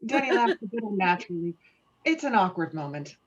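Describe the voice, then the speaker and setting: A woman's voice: mid-range voice, sing-song, a little fast, husky. A woman narrating stage directions from a film script at a virtual table read. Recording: dull, lo-fi video-call audio.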